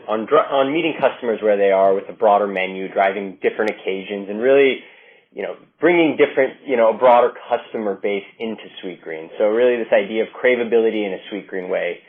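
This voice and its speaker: A man's voice: on the low side, fairly quick. A man speaking as a company executive answering questions on an earnings call, often repeating and restarting his phrases. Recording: narrow phone-line sound.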